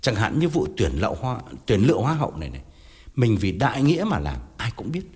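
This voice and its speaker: A pushy, indignant middle-aged man presses his case, as a male narrator puts him on. The voice is husky and swings widely up and down, with a long reverb trailing each line. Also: on the low side, very animated, brisk, darkish tone. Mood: solemn. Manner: insistent, pleading then angry.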